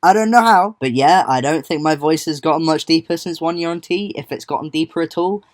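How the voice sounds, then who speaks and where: A man's voice: on the high side, a little fast. A young trans man giving a chatty, rambling update vlog to his viewers, joking at his own expense. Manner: chatty, rambling, self-deprecating. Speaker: vlogger.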